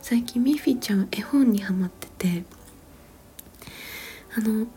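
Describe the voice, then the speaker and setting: A mother in her thirties whispering a long, rambling story, gentle and full of small fillers and soft laughs. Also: medium pitch, measured pace, a little hiss or hum.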